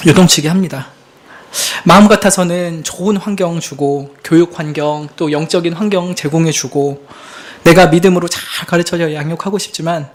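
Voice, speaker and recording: His voice on the high side, a pastor in his thirties delivers a confessional, earnest sermon. He alternates between soft, hushed passages and emphatic ones.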